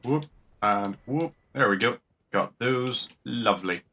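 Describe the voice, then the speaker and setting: Jokey, sweary streamer. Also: male voice, mid-range voice, expressive, takes it slowly, sharp tone. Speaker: gaming streamer. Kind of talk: casual commentary while playing.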